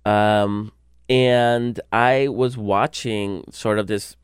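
Smooth-voiced man from El Salvador. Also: lowish voice, steady tone, very slow, no echo, clean studio sound. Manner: earnest, restarts and repeats words. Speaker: guest, political blogger. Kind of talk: casual political discussion.

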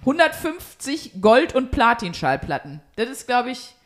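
A woman's voice: a little high, big pitch swings, unhurried. A woman co-hosting a podcast in casual banter, playful and jokey in how she talks. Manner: playful, jokey, drops in mock-English phrases. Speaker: podcast host. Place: indoors at a table in a home.

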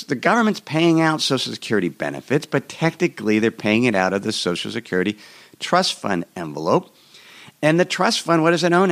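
A hoarse man hosting a solo podcast, explaining in a rambling way with frequent restarts, recorded in a hotel room. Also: mid-range voice, a bit bright. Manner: rambling, repeats and restarts words. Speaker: podcast host.

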